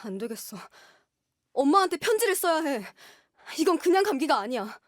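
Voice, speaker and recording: A woman's voice: sits high, very animated, normal speed, no room sound, studio quality. A young woman playing a devoted, worried young woman nursing her sick sister in an audio drama, earnest and emotionally open. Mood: worried, urgent.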